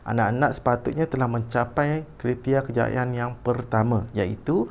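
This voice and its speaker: A man's voice: medium pitch, fairly even intonation, moderate pace, gravelly, a little hiss or hum. A man with a Malaysian Malay accent teaching a primary school lesson, often repeating himself with "okey, baik" fillers. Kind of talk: online lesson, reading a textbook.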